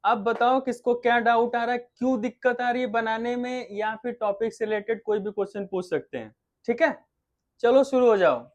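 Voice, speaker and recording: A man teaching an online acting class, explaining at a relaxed pace with many fillers and repeats. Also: extremely high pitch, normal speed, lo-fi sound.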